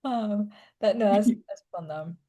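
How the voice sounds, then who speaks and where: A woman hosts a conversational interview podcast. Her phrasing is informal and unscripted, often padded with "like". She speaks at an ordinary middle pitch. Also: measured pace, warm tone. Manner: informal, peppered with "like". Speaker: podcast host. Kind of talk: casual interview chat.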